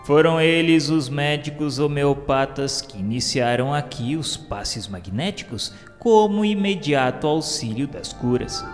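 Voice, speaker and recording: A man with a Brazilian accent narrating a radio novela in a solemn, reverent, formal literary style. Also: mid-range voice. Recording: long reverb with music bed.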